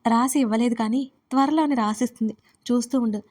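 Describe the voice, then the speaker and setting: A woman's voice: fairly high pitch, a little fast, darkish tone, close to an everyday voice. A woman voicing a possessive, domineering young man in an audiobook story, speaking in a smug, threatening way. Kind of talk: audiobook dialogue reading.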